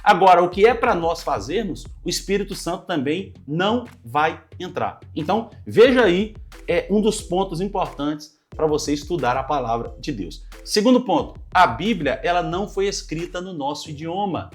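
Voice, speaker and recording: A man's voice: high-pitched, expressive, normal speed, few pauses. A man, a pastor teaching a Bible study in an earnest, explanatory way and addressing his listeners as brothers. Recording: light music underneath.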